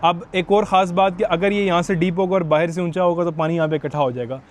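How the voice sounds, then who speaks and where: Speaking fast in a high voice with fairly even intonation, a man with a Pakistani Urdu accent leads viewers on an outdoor walkthrough house tour. His manner is chatty, he addresses the audience directly, and he slips English phrases into his speech.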